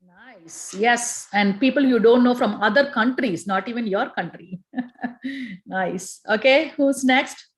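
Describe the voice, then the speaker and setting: A woman runs a feedback round over a video call. She keeps things moving with brisk prompts. Her voice sits a little high. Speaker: event host.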